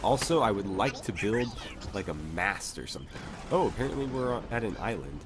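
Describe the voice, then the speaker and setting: Male let's-play host, low voice, recovering from being sick, relaxed and filler-heavy. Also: a little fast, noisy background. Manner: relaxed, thinking aloud with many fillers. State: recovering from lost voice. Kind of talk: casual gameplay commentary.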